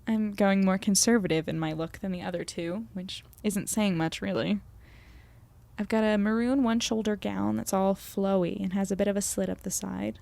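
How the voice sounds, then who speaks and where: A woman's voice: mid-range voice, steady tone, normal speed, vocal fry, darkish tone, dry recording, lightly acted. Actress as young woman podcaster, audio drama narration, earnest, self-deprecating, chatty, descriptive detail, mid-range voice. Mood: anxious, chatty.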